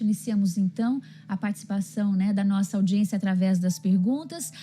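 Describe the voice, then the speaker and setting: Mellow-voiced Brazilian woman presenting, music beneath. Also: medium pitch. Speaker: programme host. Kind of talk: religious programme presenting, reading listener questions.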